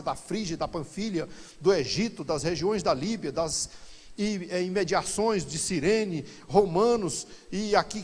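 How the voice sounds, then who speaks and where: A pastor leading a Bible study sermon to a congregation, swinging from quiet asides to loud, animated exclamations. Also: male voice, high-pitched, long reverb tail.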